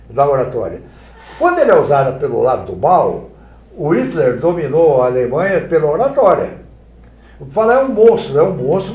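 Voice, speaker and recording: A man from Brazil, a guest on a TV talk show, demonstrating oratory in an expressive, theatrical way. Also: a little high, reverberant. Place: TV studio.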